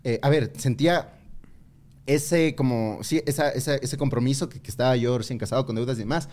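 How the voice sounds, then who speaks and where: A man's voice: mid-range voice, brisk. A young man, a comedian telling a story in casual talk and acting out other people's lines. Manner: animated, acts out others in quoted voices. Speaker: comedian guest.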